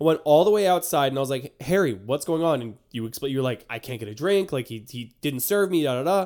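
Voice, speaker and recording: In an animated tone, a man with a fairly high voice speaks at a fairly quick pace with lively intonation and hardly any pauses. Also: very clean recording, silent background. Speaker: podcast co-host. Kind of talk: casual chat.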